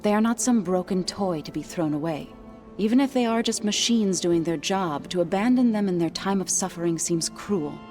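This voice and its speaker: A woman playing a proud, devout tribal woman in a video game, with measured, formal phrasing and a dryly pointed manner. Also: fairly low pitch, dark tone, faint music behind, lightly acted. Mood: reproachful, firm. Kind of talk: video game cutscene acting.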